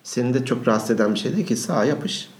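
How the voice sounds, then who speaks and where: A young man chatting casually as a podcast co-host, relaxed and reasoning things through. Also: medium pitch, fast talker. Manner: relaxed, reasoning, quoting imagined lines. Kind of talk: casual chat.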